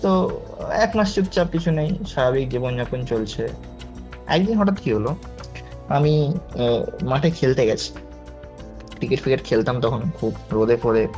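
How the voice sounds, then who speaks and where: A man's voice: mid-range voice, a little mellow. A young man, casually telling a true ghost story on a call and checking in with the listener. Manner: chatty, keeps checking in with the listener.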